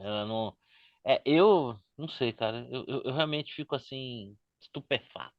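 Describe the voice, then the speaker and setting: A man hosts a panel discussion in a middle-pitched voice. The sound is dry and a bit dull. He hesitates and restarts often before putting his questions to the guests. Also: normal speed, dry recording. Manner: hesitant, many restarts, then leading questions. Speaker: host.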